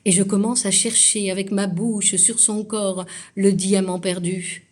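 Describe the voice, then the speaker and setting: Female poetry reader, mid pitch, very unhurried, deliberate phrasing, literary and dramatic delivery. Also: little pitch movement, darkish tone. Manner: measured, deliberate phrasing with pauses.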